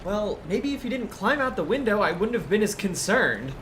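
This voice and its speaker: A woman's voice: mid-range voice, very animated, normal speed, fairly bright tone. A woman playing an exasperated, worried young friend in an audio drama, talking bluntly and casually. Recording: clear boat and water noise.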